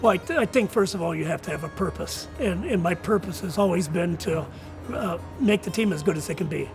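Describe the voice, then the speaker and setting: An older man, a non-native English speaker, giving earnest, halting interview answers as a college coach. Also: high-pitched, gravelly, music in the background. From outside the United States. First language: not English.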